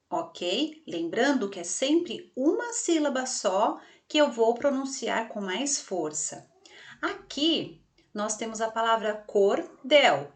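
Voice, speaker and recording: A woman teacher with a Brazilian Portuguese accent, leading a lesson for children and drawing out syllables slowly. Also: a little high. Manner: slow, drawn-out stressed syllables; addresses the class warmly with questions. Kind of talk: remote class lesson for children.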